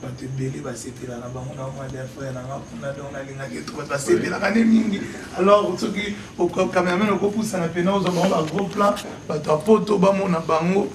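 A man's voice: on the high side, steady tone, quick pace, few pauses, a crowd in the background. A man interviewing a singer, asking long rambling questions. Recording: echoey room, distant mic, loud noise.

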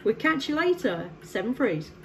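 A woman's voice: a little high, big pitch swings, moderate pace, heavy background noise. A woman from England chatting casually with a distant contact over CB radio from her home station, laughing often and filling gaps with ums. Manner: friendly, laughs often, many fillers. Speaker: CB radio operator.

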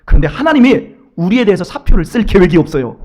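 High-voiced, fast, animated male preacher. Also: slight background noise. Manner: animated, acts out his children and God in quoted voices. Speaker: pastor. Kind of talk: lively sermon with acted quotes. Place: church sanctuary.

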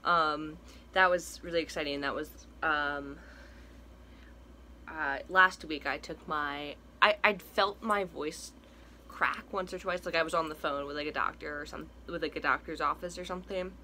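This young trans man is vlogging from a small room at home, chatting casually and rambling with many fillers and restarts while his voice occasionally cracks. His fairly high voice has a sharp tone, fairly even intonation and a moderate pace, with a little hiss or hum audible.

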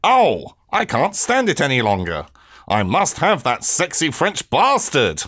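Guy overacting a goofy love scene, drags it out, pitch all over. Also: wildly swooping pitch, pushed and bright. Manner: overacted melodrama, slow and drawn out. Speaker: gamer acting in a skit. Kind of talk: hammy skit acting and chat.

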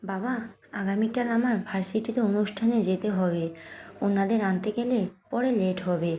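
A woman storyteller voicing a moody young male lecturer who speaks to his parents curtly and reluctantly, in a mellow reading voice. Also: mid-range voice, normal speed, lightly acted. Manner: curt, reluctant.

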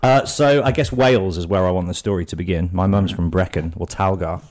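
A British man hosting a podcast, asking short friendly questions in a relaxed chat. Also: low-pitched, brisk. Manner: friendly, brief prompting questions. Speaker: podcast host. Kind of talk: casual interview.

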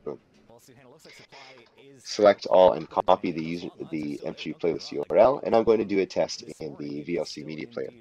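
A man presenting an unscripted software walkthrough, explaining each step in a deliberate, instructional way. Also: very deep voice, slightly rough, dull audio. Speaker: tutorial presenter. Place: voice-over for a screen recording.

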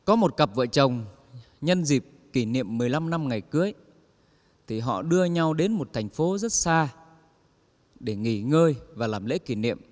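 A man's voice: mid-range voice, animated, moderate pace, darkish tone. Man telling jokes in a hall. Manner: addresses the audience, acts out quoted lines. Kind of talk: stand-up joke telling.

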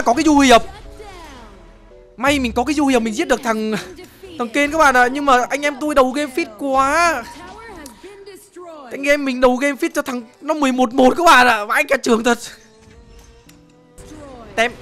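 A young man with a very high, bright voice calls out his match as he plays, exclaiming constantly and trash-talking the enemy team. Faint game music plays behind him. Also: normal speed, pauses often. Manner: excitable, exclaiming, brash trash talk. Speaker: gaming streamer. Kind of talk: live gameplay commentary.

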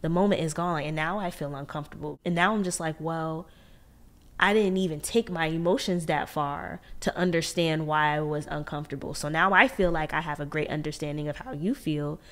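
A young adult woman co-hosting a podcast, talking through relationship lessons in an animated, reflective way. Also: sits low. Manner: animated, reflective, fast-talking when wired. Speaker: podcast co-host. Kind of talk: casual relationship chat.

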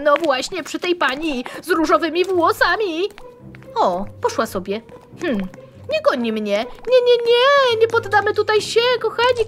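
A woman's voice: very high voice, fairly bright tone. A woman hosting playful gameplay commentary, making up little rhymes as she plays and squealing cries for help. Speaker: gaming channel host.

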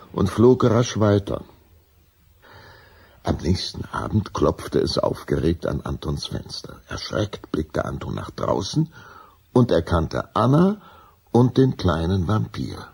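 Deep, gravelly male storyteller, hugely expressive. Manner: suspenseful, deliberate. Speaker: narrator. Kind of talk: dramatic scripted storytelling for a children's radio play.

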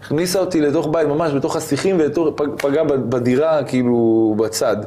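A man with a somewhat high voice, telling a personal story as an interview guest. He is animated and acts out the moments he recounts.

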